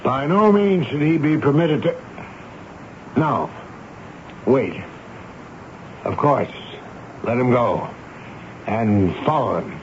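A man playing a stern, weary army major in 1970s radio drama, speaking and narrating in a measured, grave way. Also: medium pitch, animated. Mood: stern, urgent. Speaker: actor and first-person narrator in radio drama. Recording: noisy, dull 1970s radio broadcast recording.

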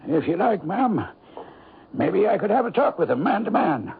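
Polite old neighbor guy in radio mystery, high swoopy voice, folksy, a bit hesitant, tinny. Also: sing-song, normal speed, creaky, exaggerated voice. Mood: neighborly. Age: older. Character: folksy, courteous old male neighbor, gently sly. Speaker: radio drama actor. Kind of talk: 1970s American radio drama acting. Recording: muffled phone-like radio recording with hiss.

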